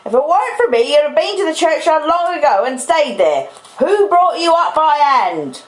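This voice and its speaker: Fierce, high-pitched scolding wife, acted by a woman, echoey. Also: very animated, moderate pace, lightly acted. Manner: scolding, loud, indignant. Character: fierce, shouty, bullying older sister, blacksmith's wife.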